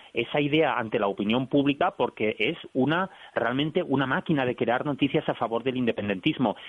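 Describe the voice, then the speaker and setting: With a Catalan accent, a man at medium pitch talks at a fairly quick pace with ordinary pitch variation. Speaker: radio panelist. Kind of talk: radio talk show discussion.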